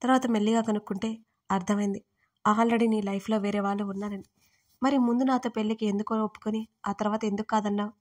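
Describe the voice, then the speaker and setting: A woman voicing a possessive, angry young male lover in an audio story, talking in an accusing, forceful way. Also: medium pitch, flat delivery, quick pace, close to an everyday voice. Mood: pleading.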